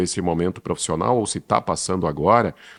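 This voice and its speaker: The speech has lively intonation, and the sound is dry and close with no echo. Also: man. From Brazil, interior of Rio Grande do Sul. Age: 40s. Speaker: video production business owner. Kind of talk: casual talk to camera.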